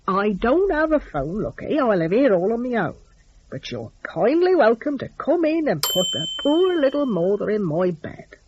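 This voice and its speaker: A woman's voice: fairly high pitch, very animated, moderate pace, darkish tone, muffled recording, slight background noise. A woman voicing a kindly old white-haired shepherd in a story, with folksy rustic speech and soothing endearments. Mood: welcoming. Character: kindly old white-haired male shepherd, gentle, hospitable country fellow.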